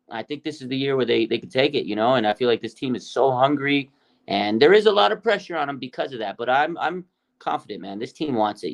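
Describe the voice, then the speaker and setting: A man's voice: medium pitch, vocal fry. A man co-hosting a casual sports podcast, talking in an emphatic, enthusiastic way. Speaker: podcast co-host.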